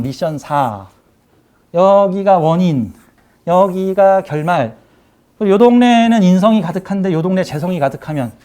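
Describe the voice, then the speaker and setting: A man's voice: high voice, warm tone. A man teaching a saju class, explaining a chart with emphatic, repetitive pointing phrases. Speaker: saju lecturer. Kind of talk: classroom lecture.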